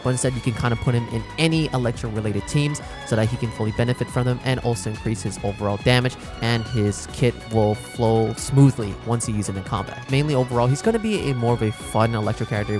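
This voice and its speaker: Fast-talking man giving casual gaming commentary. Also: medium pitch. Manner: chatty, explanatory. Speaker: gaming content creator, host. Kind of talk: casual reaction commentary on a game preview. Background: music.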